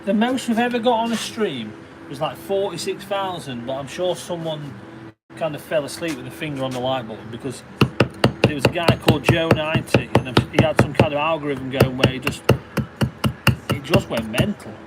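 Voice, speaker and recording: A man's voice: a little high, moderate pace, heavy background noise. Chatty Derbyshire man live from a workshop. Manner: chatty, thanks viewers and reads out their names. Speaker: livestreaming stone carver. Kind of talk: casual livestream chat.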